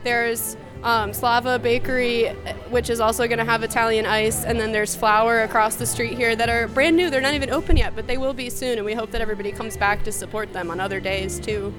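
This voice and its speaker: A woman from Michigan who paints murals, speaking eagerly in a fairly high voice. She stands outdoors on a street with a reporter. Music plays clearly nearby. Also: steady tone, brisk, few pauses. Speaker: mural artist. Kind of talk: street interview answers.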